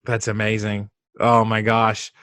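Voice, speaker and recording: A man's voice: on the low side, completely flat delivery, unhurried, a bit bright, clear, resonant tone, dry recording, clean studio sound. A man hosting a podcast as a therapist, asking questions eagerly and explaining ideas in a casual, affirming way. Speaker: podcast host, EMDR therapist.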